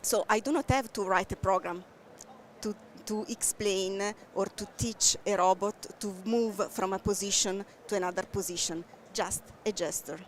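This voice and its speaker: Italian woman, non-native English, patient halting explainer, headset mic, faint background noise. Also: medium pitch. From Italy. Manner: explains slowly with many fillers. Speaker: tech company guest. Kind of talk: trade show interview. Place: busy trade show floor.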